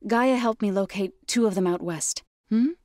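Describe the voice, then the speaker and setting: A woman playing an earnest, resolute tribal warrior in a video game, speaking in a measured, slightly formal and thoughtful way. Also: mid-range voice, darkish tone, no room sound, clean studio sound, natural voice. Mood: earnest, steady. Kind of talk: scripted video game dialogue.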